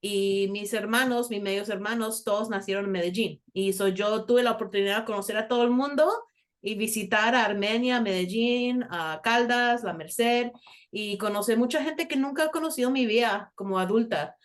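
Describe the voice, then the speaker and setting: A woman's voice: on the high side, moderate pace. A woman from Colombia, raised in the United States, speaking Spanish with a Salvadoran-influenced accent as a guest counselor in an interview, in a conversational way with restarts. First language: English. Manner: conversational, with light laughs and restarts. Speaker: multicultural school counselor, guest. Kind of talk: interview answers.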